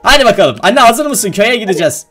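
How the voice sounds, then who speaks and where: An excitable young man gives a casual gaming vlog, his voice sitting high and swinging widely up and down. He laughs often and coaches patiently. Faint music plays under him. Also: fast. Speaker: gaming YouTuber.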